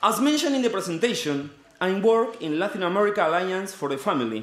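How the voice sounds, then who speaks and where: A man speaks with a Spanish accent at a high pitch, his intonation lively. Audible echo fills the room. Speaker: conference speaker. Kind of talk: reading aloud. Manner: halting.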